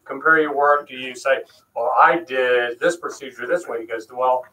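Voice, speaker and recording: A man's voice: mid-range voice, fairly even intonation, normal speed, sharp tone, recorded from a distance, low-quality recording. A man co-hosting an interview, asking questions and explaining terms for listeners. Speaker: co-host, doctor.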